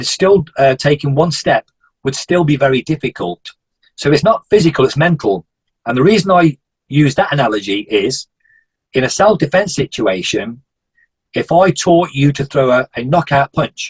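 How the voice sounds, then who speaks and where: The speaker has an English Midlands accent and a somewhat breathy voice, with lively intonation at a moderate pace. Long, frequent pauses come through in a dry, close sound with no echo. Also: man, fairly high pitch for a man. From Coventry, England. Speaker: retired game developer and martial artist. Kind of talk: interview, explaining analogy.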